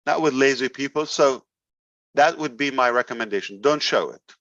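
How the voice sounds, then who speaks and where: Man, company leader addressing members, blunt and emphatic, mid pitch, dry lo-fi sound. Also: moderate pace, fairly bright tone, no room sound. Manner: blunt, emphatic, sarcastic at times. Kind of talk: motivational business talk. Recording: dull, dry recording.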